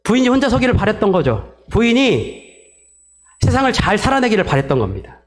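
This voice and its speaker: A male pastor preaching a sermon, telling a story to his congregation and acting out the quoted lines in a softer voice. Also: huge pitch swings, fairly quick. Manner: storytelling, acts out quoted dialogue in softer lower tones; addresses the congregation directly, asks for amens.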